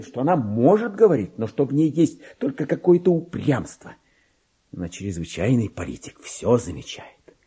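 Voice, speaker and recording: An actor playing an excitable, self-important, paranoid petty clerk in a theatrical radio monologue, with a husky voice and volatile delivery that swings between confiding and outbursts. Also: male voice, medium pitch, full character voice. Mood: suspicious musing. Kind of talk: dramatic monologue reading in a radio play.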